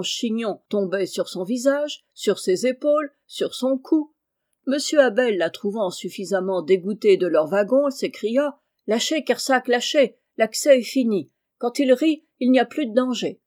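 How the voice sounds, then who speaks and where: A woman from France reading a classic novel aloud in a lively, expressive way. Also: medium pitch. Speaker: audiobook reader.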